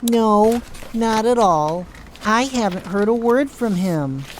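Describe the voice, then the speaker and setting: A woman's voice: a little high, expressive, takes it slowly, a little hiss or hum, poor audio. Exasperated woman in an audio drama, acted. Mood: worried, exasperated.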